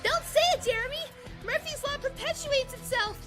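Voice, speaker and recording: Woman as an extremely high-pitched, earnest cartoon girl. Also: normal speed. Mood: excited, earnest. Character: earnest, optimistic teenage girl heroine, easily alarmed. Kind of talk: cartoon parody dub. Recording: music behind the voice.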